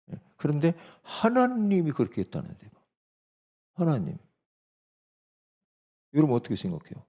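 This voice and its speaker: Lively-voiced Korean pastor preaching. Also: male voice, fairly low pitch, creaky. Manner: conversational preaching, often asking the congregation "예?". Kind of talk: sermon.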